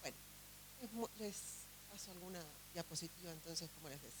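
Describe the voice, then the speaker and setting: A woman's voice: lowish voice, quick pace, husky, poor audio. A woman from Uruguay with a Uruguayan Spanish accent, a judge giving a chatty conference talk full of fillers and restarts. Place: conference hall.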